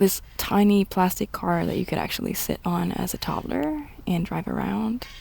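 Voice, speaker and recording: A woman speaks in a relaxed tone at a moderate pace. She leaves hardly any pauses. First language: non-English native language. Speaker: audio content creator answering listener questions. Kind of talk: casual Q&A monologue. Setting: outdoors in a park. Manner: relaxed, with frequent fillers.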